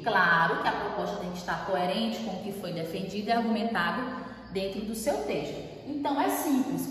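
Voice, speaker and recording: A woman teacher giving a writing lesson, clear and didactic, asking questions and answering them herself. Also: a little high. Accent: Brazilian Portuguese. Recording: echoey room, voice far from mic.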